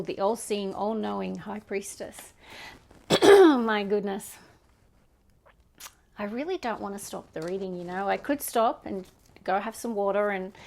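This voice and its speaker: A Scottish woman reads tarot cards in a friendly, chatty way, speaking straight into a microphone. Her voice is hoarse and fraying, with a gravelly rasp and plenty of fry. She keeps clearing her throat and pushes on, middle-pitched and reassuring. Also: a little mellow. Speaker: tarot reader. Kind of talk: casual tarot reading to camera.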